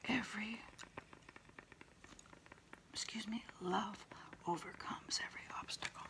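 A middle-aged woman doing a quiet ASMR roleplay, whispering softly and unhurriedly, close to the mic. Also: mid-range voice, steady tone. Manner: soft, unhurried whispering, reading short phrases aloud.

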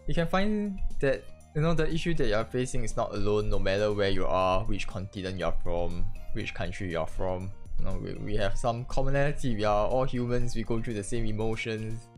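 A young Singaporean man talks in a low, gentle voice over gameplay, thinking aloud with small restarts and a slight stutter. His Singaporean English accent carries over a faint bed of music. He sounds unhurried and candid. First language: Mandarin Chinese. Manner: soft-spoken and reflective, frequent restarts and slight stutter. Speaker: gaming channel host. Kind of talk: casual gameplay commentary and personal reflection.

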